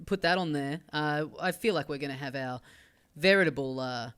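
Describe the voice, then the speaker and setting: A man with an Australian accent co-hosting a comedy podcast, trading dry, deadpan jokes. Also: on the high side, moderate pace, clean tone. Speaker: podcast co-host. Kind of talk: casual comedy podcast chat.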